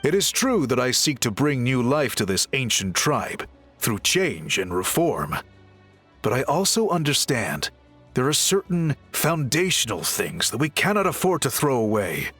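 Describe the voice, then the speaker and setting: A man playing an earnest, courteous tribal craftsman and reformer in a video game, speaking in polite, measured, articulate phrases. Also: mid-range voice, very animated, a bit bright, slightly rough, exaggerated voice. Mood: earnest, resolute. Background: background music.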